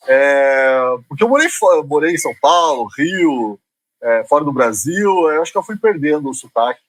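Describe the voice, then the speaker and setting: Husky middle-aged man from Curitiba. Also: a little high, lively intonation, normal speed, no echo. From Curitiba, Brazil. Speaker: guest columnist. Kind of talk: casual interview chat.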